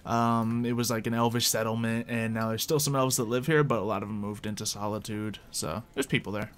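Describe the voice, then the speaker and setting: A man's voice: fairly low pitch, steady tone, a little fast, clean tone. A man acting as game master, narrating and explaining options to players in an informal, hedging way. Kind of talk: casual narration of a tabletop roleplay game.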